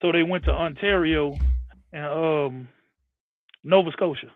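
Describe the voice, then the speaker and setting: A man's voice: a little high, measured pace, no room sound. A man on an online panel, chatting casually and explaining history with many restarts. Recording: tinny phone-line sound.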